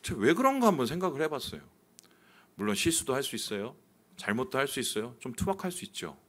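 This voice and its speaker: A male pastor delivering a sermon with a bright, forceful voice at a mid pitch. He tells his story frankly, jumping from hushed asides to loud outbursts. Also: sing-song, fast. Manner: candid storytelling with sudden swings in loudness.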